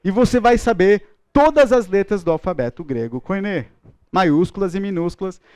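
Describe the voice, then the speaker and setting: A man with a Brazilian Portuguese accent teaches a Bible school class, joking with the room and leading everyone in chanting letters. His voice sits a little high and sounds smooth and clear. The recording is dry and close. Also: lively intonation, moderate pace, darkish tone, dry recording. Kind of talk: lively classroom lesson.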